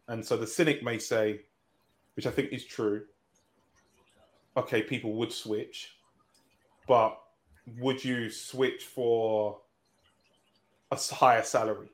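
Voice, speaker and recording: A man hosting a business podcast, talking in a measured way and thinking aloud with rhetorical questions. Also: on the low side. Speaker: podcast host. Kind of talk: conversational business talk. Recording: echoey room.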